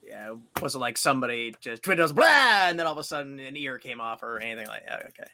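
A man's voice: mid-range voice, fast talker, sharp tone, slight background noise. A man moderating a panel, asking questions hesitantly with many uh fillers.

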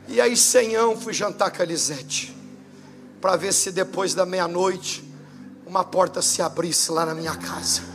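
A Brazilian man preaching a sermon as pastor, telling funny stories and acting out the dialogue. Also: sits high. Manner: lively humorous storytelling, acting out dialogue. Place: church service.

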